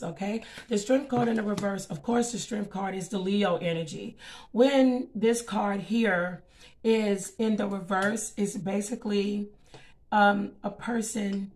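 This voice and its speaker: A woman with a scratchy voice giving a casual tarot reading, chatty and filling pauses with um and okay. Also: mid-range voice, darkish tone. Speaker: tarot reader.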